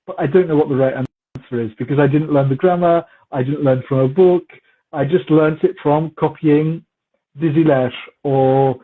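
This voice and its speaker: Brief: man, language teacher, husky, slightly high voice, tinny phone-like sound. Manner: relaxed, repetitive for emphasis, mixes in Turkish words. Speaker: English teacher interviewed as guest. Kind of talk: casual conversational Q&A. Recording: muffled phone-like audio.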